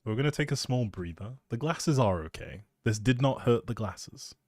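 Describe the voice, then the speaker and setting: A man's voice: mid-range voice, animated, normal speed, darkish tone, no room sound. A man chatting casually as a live streamer, rambling in a playful, self-deprecating way into a close microphone.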